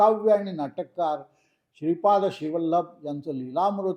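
This man has a dark, mellow tone. His intonation is lively. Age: 70s. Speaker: YouTuber. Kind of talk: personal reflection monologue.

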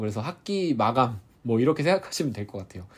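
Very wide pitch swings mark this man's speech. He keeps a moderate pace. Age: 30s. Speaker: architect; interviewee. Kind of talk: interview. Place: home room.

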